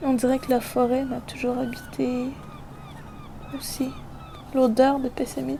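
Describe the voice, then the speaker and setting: Against noticeable background noise, a woman with a Quebec accent speaks fairly slowly, with long, frequent pauses. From Quebec, Côte-Nord (Innu community). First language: Innu (speaking French). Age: 20s. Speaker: art student. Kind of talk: documentary interview. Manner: reflective, halting.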